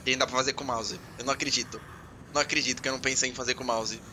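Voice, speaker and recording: Excitable Brazilian gamer, bright voice. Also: male voice, medium pitch, very fast, a little hiss or hum. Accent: Brazilian Portuguese. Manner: excitable, joking, swears, talks to himself. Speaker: gaming channel host. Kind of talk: casual let's-play commentary.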